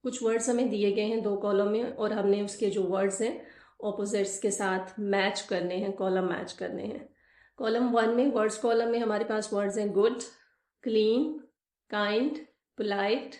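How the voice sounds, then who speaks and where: A woman teacher with a Pakistani accent gives a slow, deliberate classroom lesson on English grammar and mixes Urdu with English terms. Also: mid-range voice, fairly even intonation, a little mellow, echoey room.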